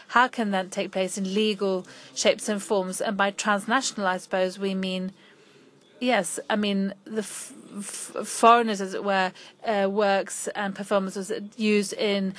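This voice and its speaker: A woman interpreting a conference talk in real time, her pitch sitting in an ordinary middle range. She moves forward in bursts and stalls on fillers, restarting phrases as she catches up with the speaker. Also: fairly bright tone. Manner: halting, frequent fillers and restarts. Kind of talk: simultaneous interpretation of a lecture.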